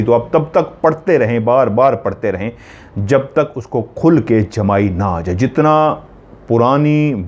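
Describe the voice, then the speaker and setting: A man's voice: lowish voice, darkish tone, dull audio. A man earnestly explaining spiritual remedies step by step, repeating each instruction to be sure it is followed. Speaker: spiritual healer teaching remedies.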